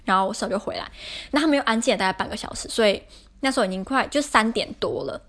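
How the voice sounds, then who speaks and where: Young woman, solo podcaster, rapid and irritated rambling storyteller. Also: mid-range voice, fairly bright tone. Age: young adult. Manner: exasperated, rambling retelling with many fillers.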